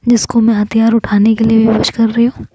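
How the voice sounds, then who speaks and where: A woman voicing Rabia, a bossy, sharp-tongued young woman, in whispered role-play. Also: a little high, completely flat delivery, a little fast, breathy edge, no room sound, poor audio. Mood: scolding.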